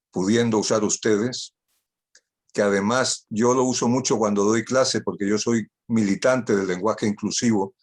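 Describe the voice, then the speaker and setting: Witty older Spanish man, low voice. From Spain. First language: Catalan. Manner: witty, ironic, repeats key phrases for emphasis. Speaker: guest speaker. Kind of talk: online talk.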